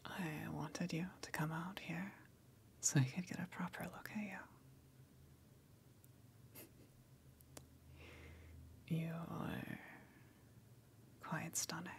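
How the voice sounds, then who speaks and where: A woman voicing a luring tentacled sea monster in an ASMR roleplay, coaxing softly in a breathy, hushed whisper with long pauses. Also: deep voice, little pitch movement, slight background noise. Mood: tender, admiring.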